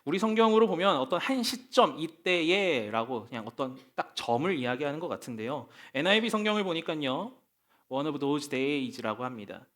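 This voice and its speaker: A man's voice: fairly high pitch, lively intonation, normal speed, a bit bright. A male pastor giving a conversational sermon at a church prayer meeting, asking rhetorical questions.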